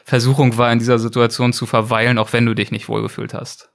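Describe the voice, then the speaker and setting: A man's voice: medium pitch, flat delivery, fast, creaky. Laughing male interviewer on a call. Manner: laughs often, hesitant with fillers. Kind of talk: casual interview.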